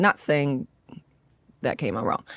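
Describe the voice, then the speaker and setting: Dry sound without any echo over a quiet background. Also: woman. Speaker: podcast guest. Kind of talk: interview answer. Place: studio. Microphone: studio mic.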